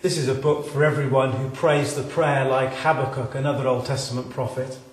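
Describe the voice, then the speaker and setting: A man's voice: medium pitch, steady tone, fairly quick, recorded from a distance. A Welsh man from South Wales, a pastor introducing a sermon series in an earnest voice with rhetorical questions, speaking in a large empty church. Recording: echoey church hall.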